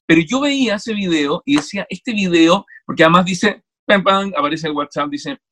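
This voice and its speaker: A Chilean man with a somewhat high voice talks casually as an interview guest. He is animated and digressive. He restarts sentences often as his thoughts run ahead. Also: normal speed. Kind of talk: casual conversation.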